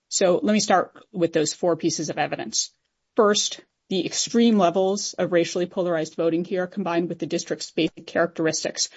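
A woman's voice: on the low side, a little mellow, breathy edge, lo-fi sound. A woman lawyer making a formal, technical oral argument to judges in an assertive way. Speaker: appellate lawyer.

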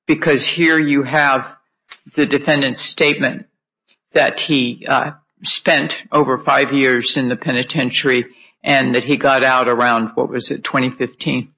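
A man, an appellate judge, questioning counsel in a halting, deliberate way. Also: mid-range voice, flat delivery, bright, forceful tone. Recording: dull lo-fi courtroom audio.

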